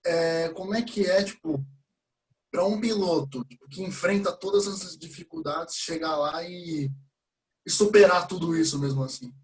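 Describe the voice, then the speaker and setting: A man's voice: on the high side, normal speed, far from the mic, low-quality recording. A male podcast host asking a loose, filler-heavy interview question.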